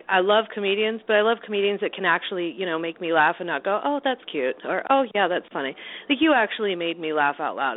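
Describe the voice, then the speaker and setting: A woman co-hosting a podcast interview, chatty and enthusiastic in her questions. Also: medium pitch. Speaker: podcast co-host. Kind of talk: casual interview chat. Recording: tinny phone-like line.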